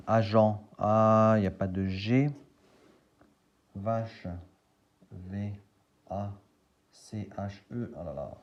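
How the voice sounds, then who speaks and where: A man's voice: lowish voice, very slow, pauses often, muffled recording. A man casually thinking aloud and spelling out letters as he scratches lottery tickets for a video.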